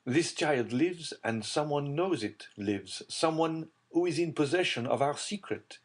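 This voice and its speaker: A man's voice: medium pitch, breathy edge, pitched above the performer's own voice. A man voicing a grim, despairing prosecutor in an audiobook, speaking in a grave, urgent, confiding way. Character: grim, despairing male prosecutor, middle-aged, secretive. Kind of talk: audiobook character voice.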